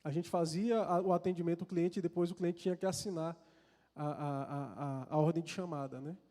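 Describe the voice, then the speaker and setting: A Brazilian-accented man preaches in a large church hall whose long reverb trails his words. His voice is on the high side and dark in tone, brisk and fairly even, as he earnestly confesses a personal story, often repeating and restarting words.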